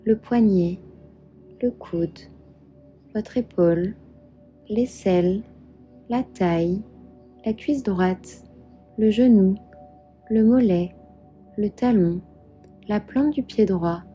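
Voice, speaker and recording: Female yoga guide, deeply mellow and unhurried, calm meditation delivery, music underneath. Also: highs cut off. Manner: calm, soothing, measured instruction. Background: soft background music.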